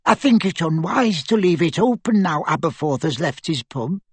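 A man voicing an elderly witch, a proud and imperious grandmother who speaks crisply in an audiobook story. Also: on the high side, animated, normal speed, no echo, voice pushed up. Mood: crisp, stern. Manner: crisp, commanding.

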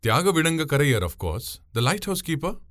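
A man's voice: fairly high pitch, sing-song, fairly quick, fairly bright tone, no room sound, clean studio sound, voice pushed up. A man voicing a boastful young warrior who talks grandly and blusters.

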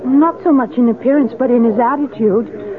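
A woman's voice: a little high, moderate pace, lightly acted. An actress playing an anxious, devoted young woman in an earnest, pleading 1970s radio drama style. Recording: narrow old radio sound with noisy crowd.

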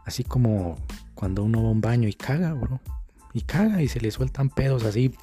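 A man's voice: medium pitch, brisk, over loud music. A young man with a Colombian accent talking in a casual monologue as a dating coach. He is crude and slangy, and he acts out the voices he quotes. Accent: Colombian Spanish.

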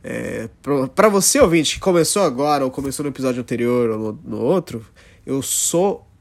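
A man's voice: mid-range voice, animated, moderate pace, gravelly. A man from São Paulo with a São Paulo accent, hosting a casual solo podcast and rambling with slang and self-interruptions. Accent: São Paulo Brazilian Portuguese. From São Paulo, Brazil. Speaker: podcast host.

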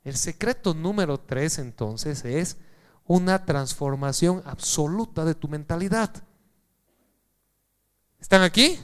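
A man preaching a sermon to a congregation, animated and joking, swinging from loud calls to hushed lines. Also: a little high, takes it slowly, long pauses, clean tone.

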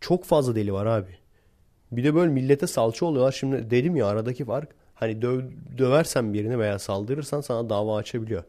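A man's voice: mid-range voice, fast talker, dark tone. A young man from Turkey talking blunt and slangy to his viewers, chuckling between points as he tells stories. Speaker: vlogger. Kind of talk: casual storytelling monologue to viewers.

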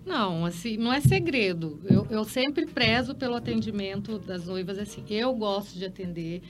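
A woman's voice: medium pitch, expressive, normal speed, loud music behind the voice. A middle-aged woman wedding planner chatting casually and earnestly about weddings. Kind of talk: casual panel chat.

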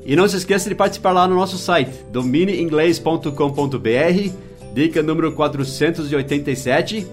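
A man's voice: on the high side, a little fast, faint music behind. A man raised in Brazil with English as his first language, hosting a casual mini-podcast lesson. He explains patiently and drops short English example phrases into his explanations. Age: adult, past his teens. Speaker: English teacher, podcast host.

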